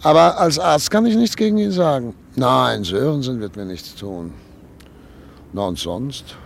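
A man's voice: medium pitch, animated, a little slow, gravelly. An actor playing a thoughtful, anxious doctor and father of thirty-nine in a radio drama, speaking earnestly and articulately. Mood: uneasy. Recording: noisy old radio play recording.

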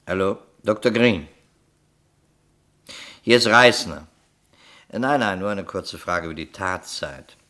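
A low male voice for a radio murder mystery. He is a wry police detective who probes and doubts, dropping dry, drawled asides between his questions. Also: lively intonation, slow pace, long pauses, bright, forceful tone, heavily acted. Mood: businesslike. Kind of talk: German radio crime play acting.

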